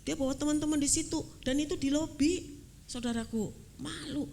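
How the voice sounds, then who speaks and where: An older woman evangelist, preaching a sermon through a lively personal testimony and often addressing the congregation directly. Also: high-pitched, moderate pace, vocal fry, a little hiss or hum. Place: church.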